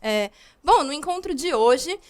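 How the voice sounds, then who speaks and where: A woman's voice: high-pitched, expressive, unhurried. A young woman from Brazil teaching a grammar video lesson, explaining patiently with frequent fillers.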